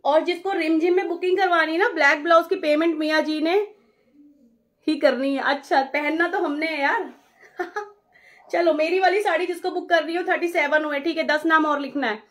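A woman hosting a live saree sale, chatting briskly with viewers, taking bookings and calling out their names, slipping English phrases into her Hindi. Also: sits high, a bit bright. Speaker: saree seller on live stream. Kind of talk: live-stream sales chat.

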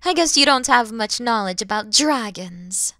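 A woman voicing a huge, kind, motherly dragon who is proud and teasing, in an ASMR roleplay, explaining things gently and patiently. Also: on the high side, animated, moderate pace, dry recording, clean studio sound. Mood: tender, amused. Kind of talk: ASMR audio roleplay addressed to the listener.

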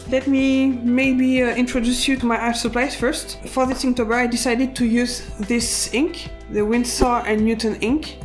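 High-voiced French-accented woman vlogger. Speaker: illustrator and art channel host. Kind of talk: casual sketchbook tour vlog.

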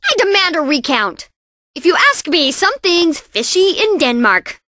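This is a cocky young girl bandicoot from a racing video game. Her voice is extremely high and bright, swinging animatedly up and down. She sounds perky, sassy and boastful, in full cartoon style. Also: sing-song, normal speed, no room sound, clean studio sound, heavily acted. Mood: miffed. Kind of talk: video game character voice lines.

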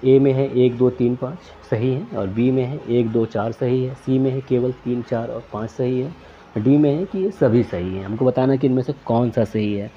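A man's voice: medium pitch, normal speed, dull audio, a little hiss or hum. Methodical man reading quiz answers. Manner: methodical, reads each question and options aloud then names the answer. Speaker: quiz tutor. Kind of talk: exam question walkthrough.

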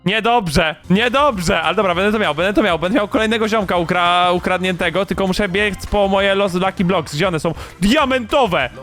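A man giving excited, rapid game commentary, repeating phrases and breaking into shouts as he plays. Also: sits high, soft background music. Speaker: gaming YouTuber.

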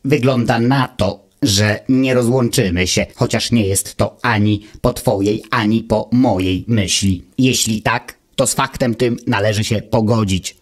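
Reading a fairy tale aloud, a man takes on a fairly low pitch to play a male mechanical companion. The character is calm and pedantic, lecturing in cold, measured logic.

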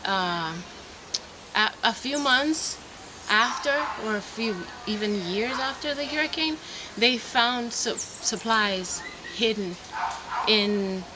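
A woman, earnestly explaining in an interview outdoors, with hesitations. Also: medium pitch. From Puerto Rico. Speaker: farmer and volunteer. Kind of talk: interview answers. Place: outdoors by a bottle wall. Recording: outdoor camera audio with background noise.

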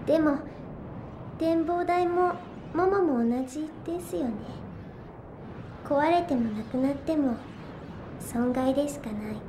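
A woman playing a gentle, polite, vulnerable young girl in a Japanese audio drama. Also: sits high, slow, pauses often, roomy sound, background noise. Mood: downcast.

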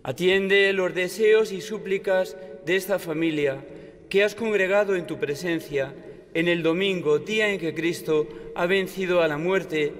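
An older priest with a somewhat high voice reads the Mass prayers steadily and formally. A long cathedral reverb hangs after every phrase. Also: male voice, unhurried. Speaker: concelebrating priest. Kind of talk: liturgical prayer recitation. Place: large cathedral. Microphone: stand microphone at the altar.

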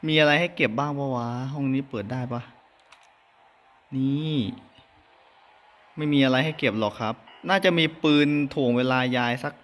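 A man hosting a horror game let's-play, excitable and often yelling in alarm while talking to his viewers. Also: mid-range voice, normal speed, long pauses. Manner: excitable, exclaims loudly when startled, talks to viewers. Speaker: gaming channel host.

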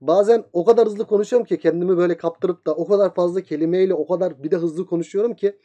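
A male teacher races through a geometry review at breakneck speed, in a voice that sits high for a man but sounds mellow and soft-edged. He keeps voicing the students' questions himself and then answering them.

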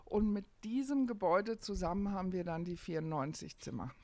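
A middle-aged woman telling stories as an interview guest, pausing and hesitating as she explains. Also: medium pitch, lively intonation, a little mellow, no room sound. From Germany. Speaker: interview guest, family hotel owner. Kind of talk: conversational interview storytelling.

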